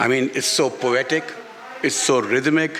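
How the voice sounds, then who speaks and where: Noticeable background noise and audible room echo surround the voice. A man speaks at a medium pitch and a moderate pace. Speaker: author. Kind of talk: book talk interview. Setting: outdoor festival stage with audience. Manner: loud; halting, repetitive.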